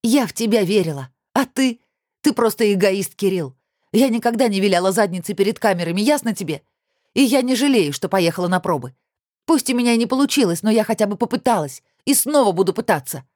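A furious young ex-fiancée whose voice rings high and sharp as she shouts her hurt, stubborn and proud, put on by a male audiobook reader. Her tone stays hot with indignation and near tears, a storybook drama. The dry, close recording carries no room at all. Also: lively intonation, fast, no room sound. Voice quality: ringing raised voice. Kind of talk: audiobook character reading.

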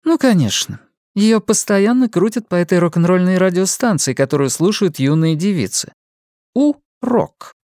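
A stern older mother with a prim, scolding voice, pitched up high, put on by a male narrator. She speaks crisply and sharply in an audiobook reading. The recording is close and dry. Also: animated, normal speed, darkish tone, no echo. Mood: disapproving. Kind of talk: audiobook character voice.

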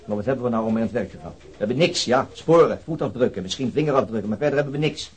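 An actor playing a weary, irritable police investigator, grumbling tersely in a Dutch radio drama. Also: male voice, medium pitch, animated, rapid-fire, husky. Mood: grim.

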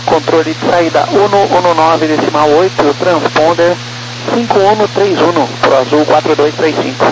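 A Brazilian man, an airline pilot, reading back clearances over aircraft radio. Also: on the high side, normal speed. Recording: noisy aircraft radio with cockpit ambience.

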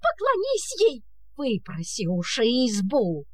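An actress playing a greedy, ill-tempered old peasant wife who nags and scolds scornfully in a fairy-tale audio play. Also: female voice, a little high, wildly swooping pitch, slow pace, a little mellow, no room sound, clean studio sound, exaggerated voice. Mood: scornful, scolding. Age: older. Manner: shrewish, nagging, scornful.

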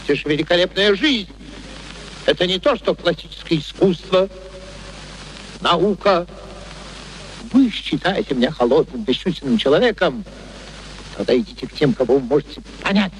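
An actor playing an arrogant, cutting scholar in a radio play, declaiming and arguing with scorn. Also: male voice, fairly high pitch, animated, moderate pace, long pauses, natural voice, rough recording. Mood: scornful. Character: arrogant, self-absorbed male scholar, cutting and exasperated. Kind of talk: Soviet radio play acting. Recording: old radio play recording, faint noise.

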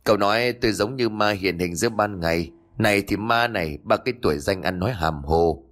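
A man voicing a cunning, sharp-tongued old man who scolds and bullies a lodger in a spoken ghost story. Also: on the low side, a little fast, natural voice. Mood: scolding. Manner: scolding, blunt.

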